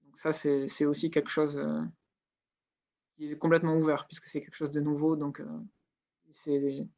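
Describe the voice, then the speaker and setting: A man's voice: on the high side, level tone, moderate pace, darkish tone. A man, a research scientist, answering interview questions hesitantly with many fillers. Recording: dull lo-fi sound.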